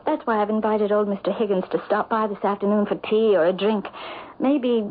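Actress as anxious wife, thin hissy radio sound. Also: female voice, mid-range voice, steady tone, fairly quick, natural voice. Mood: polite, uneasy. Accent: American. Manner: earnest, emotive, pressing with questions. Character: anxious, insistent wife in a mystery, sharing her fears. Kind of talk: 1970s American radio drama acting. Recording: muffled phone-like radio recording with hiss.

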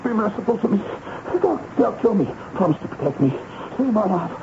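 Cringing young soldier-spy, radio drama: stammering, widely varied pitch, hesitant. Dull, hissy vintage broadcast. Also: male voice, big pitch swings, fairly quick, gravelly, full character voice. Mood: terrified, begging. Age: young adult. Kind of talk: 1970s radio drama acting.

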